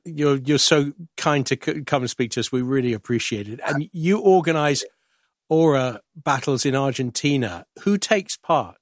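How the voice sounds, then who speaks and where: A man's voice: mid-range voice, expressive, normal speed, dry recording. A man hosting a broadcast interview, asking curious questions in a polite, conversational way. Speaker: interviewer, programme host.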